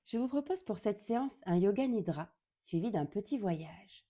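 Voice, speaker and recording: A woman guiding a yoga nidra meditation in a calm, gentle, soothing way, speaking deliberately and leaving long pauses. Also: medium pitch. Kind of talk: slow guided meditation.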